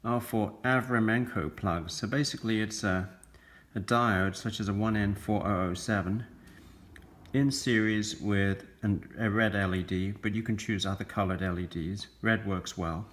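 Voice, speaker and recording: A man presenting a science video, explaining a demonstration step by step in measured, halting short phrases. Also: fairly low pitch, a bit bright. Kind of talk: explanatory narration of an electronics demonstration.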